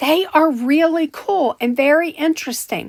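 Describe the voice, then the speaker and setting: Speaking at a fairly slow pace, a woman uses a relaxed tone with ordinary pitch variation. The sound is dry and close, with no echo. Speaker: paranormal vlogger. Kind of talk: casual vlog monologue. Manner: relaxed, unhurried.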